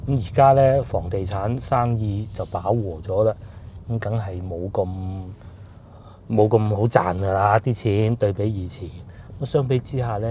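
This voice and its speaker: A man's voice: lowish voice, warm tone, slight background noise. A man with a Cantonese accent giving rambling, casual vlog narration while riding through streets outdoors. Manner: chatty, rambling with fillers. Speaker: food vlogger.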